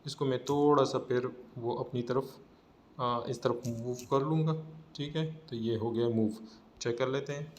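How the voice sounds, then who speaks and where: A man with a South Asian accent gives a casual software tutorial, explaining informally step by step. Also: mid-range voice, steady tone, unhurried. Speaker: tutorial presenter. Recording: noticeable background noise.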